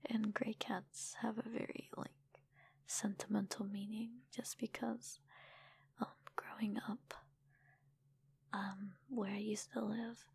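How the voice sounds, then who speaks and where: A woman chatting casually in a soft, breathy ASMR whisper, informal and rambling, close to the microphone. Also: medium pitch, flat delivery, slow, long pauses, no echo. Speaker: ASMR creator and streamer answering viewer comments.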